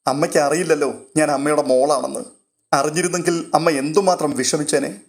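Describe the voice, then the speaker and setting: A man's voice: a little high, steady tone, fairly quick, lightly acted. A man voicing a tearful, selfless young woman pleading through her sorrow in a read-aloud story.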